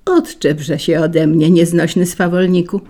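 A woman's voice: fairly low pitch, steady tone, measured pace, dark tone. A woman voicing a loyal carnation flower. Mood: earnest. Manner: irritable, then earnest.

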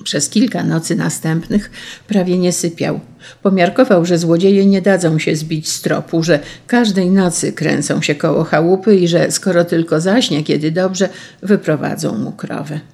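A storyteller telling an old folk tale in a steady, measured way. The voice is gravelly, with a husky edge. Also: mid-range voice.

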